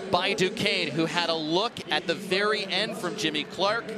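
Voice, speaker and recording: Over loud background noise, a man speaks in a raised, projected voice at a moderate pace with ordinary pitch variation and a dry sound with no echo. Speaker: play-by-play announcer. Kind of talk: live basketball play-by-play commentary. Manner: rising excitement on big shots. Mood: calm wrap-up after game. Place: stadium. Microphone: headset.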